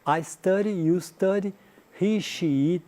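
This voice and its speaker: Brazilian guy teaching english class, kinda high voice but soft and mellow, repeats examples slow. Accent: Brazilian Portuguese. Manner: explains patiently, repeats English example sentences slowly. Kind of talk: recorded high school lesson.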